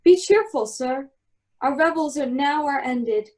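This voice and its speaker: Woman doing a commanding wizard duke, quite high voice, formal old verse, radio play style. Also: lively intonation, a little slow. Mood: reassuring. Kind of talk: Shakespeare performed as a radio play.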